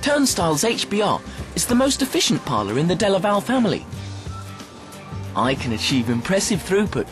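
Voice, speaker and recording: An ambitious farmer's son with a high, very animated voice, eager and restless. Clear music runs underneath. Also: male voice, moderate pace. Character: ambitious farmer's son, impatient with his parents.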